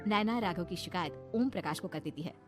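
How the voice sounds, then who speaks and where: A woman narrating a cartoon moral story in a steady, plain storytelling manner. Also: lowish voice, brisk, music in the background.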